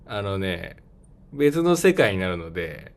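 A man's voice: low-pitched, very animated, measured pace. A man hosting a casual live call-in chat, speaking in a joking way and laughing often. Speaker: host of a live audio call-in space.

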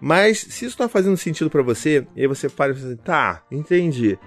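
A man's voice: a little high, animated, racing, soft background music. A man giving casual parenting advice in a conversational vlog, explaining with acted-out examples. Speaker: parenting vlogger. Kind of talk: casual direct-to-camera advice.

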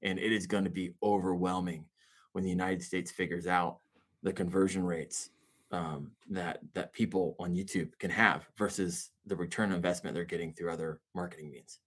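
A man guesting on a podcast with a fairly low voice. He speaks confidently and emphatically, presses his opinions, and now and then stumbles over a word before pushing on. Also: steady tone, moderate pace, husky. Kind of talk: casual podcast chat.

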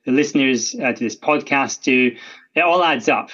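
Scottish man, mid pitch, conversational expert guest, slightly muffled lo-fi audio. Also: moderate pace, fairly bright tone. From Scotland. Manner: chatty, frequent "right?" tags and restarts. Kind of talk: podcast interview.

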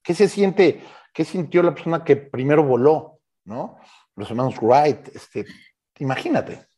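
A man's voice: on the high side, a little slow, warm tone, husky. A man, a coach and interview guest, explaining informally with examples and rhetorical questions.

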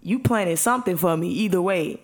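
A woman's voice: lowish voice, a little fast. A woman from Chicago, telling personal stories casually in a candid, emphatic, slangy way. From Chicago, United States. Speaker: podcast guest.

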